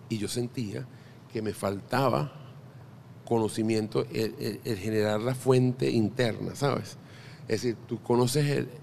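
A man's voice: on the low side, vocal fry, dark tone, slight background noise. A middle-aged Venezuelan man, a podcast guest, chatting casually and telling anecdotes with jokes and frequent restarts. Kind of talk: casual interview chat.

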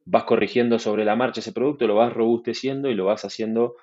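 A man's voice: medium pitch, a little fast, lo-fi sound. A man from Argentina with an Argentine accent, a startup manager talking easily as an interview guest with many restarts. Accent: Argentine Spanish. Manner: relaxed, fluent, many restarts and fillers. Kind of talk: conversational interview.

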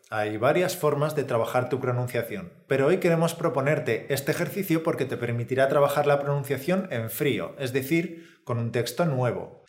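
Calm male teacher, roomy sound. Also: medium pitch. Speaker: Spanish teacher. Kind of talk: scripted podcast lesson. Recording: roomy echo.

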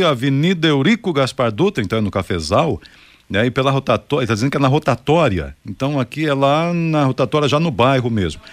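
A man's voice: medium pitch, no echo. A man, relaying listener messages conversationally as a radio news co-presenter. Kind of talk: conversational listener-report segment.

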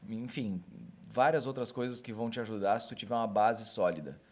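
A man, a guest on a casual podcast, trading jokes with the others and giving measured advice. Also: lowish voice, darkish tone. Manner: joking banter, then measured advice.

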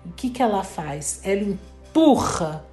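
A woman's voice: medium pitch, a little slow, soft background music. A woman telling a fairy tale in a casual spoken way, changing her voice for the characters. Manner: lively, voices characters in quotes. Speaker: storyteller.

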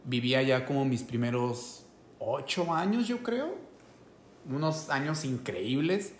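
A man's voice: mid-range voice, animated, unhurried, echoey room, slight background noise. A man from Oaxaca with a Mexican Spanish accent, chatting casually on a podcast in a slangy way. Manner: slangy, peppers talk with "güey". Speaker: podcast host.

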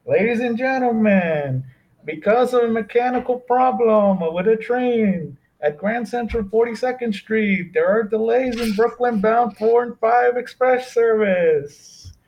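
Man impersonating a male subway announcer: pitched up high, stiff and official. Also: a little slow, lo-fi sound.

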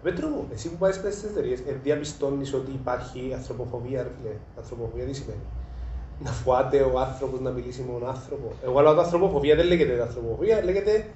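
Cypriot greek guy, casual chat, soft dark tone, echoey and kinda far from mic. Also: mid-range voice. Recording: echoey, distant mic, muffled, faint noise.

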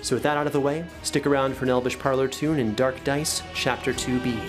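A man's voice: medium pitch, steady tone, fairly quick. A man giving scripted, dramatic narration as a podcast host and game master. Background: music.

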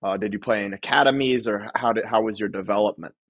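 A man's voice: on the low side, quick pace, dull audio. A man hosting a podcast interview, asking rambling questions with lots of fillers and restarts. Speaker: podcast host.

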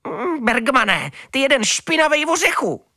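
A man voicing a vain, fussy female cat in a storybook reading, with a shrill scolding voice. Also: expressive, bright, forceful tone.

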